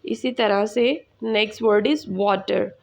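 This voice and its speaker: A woman teacher, explaining an English lesson slowly and repeating words for her students. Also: mid-range voice, fairly even intonation, vocal fry, darkish tone. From Pakistan.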